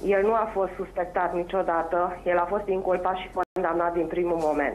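Against noticeable background noise, a woman speaks at a moderate pace and medium pitch. Her intonation is monotone and flat. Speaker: wife of a convicted defendant. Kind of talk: interview.

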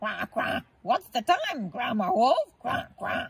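Using a put-on character voice, a man speaks at an extremely high pitch and a fairly slow pace with very wide pitch swings. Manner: squawking.

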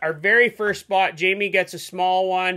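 A man projects his raised voice at a moderate pace. The tone is bright and sharp. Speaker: fishing guide host. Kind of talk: tutorial. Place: home room.

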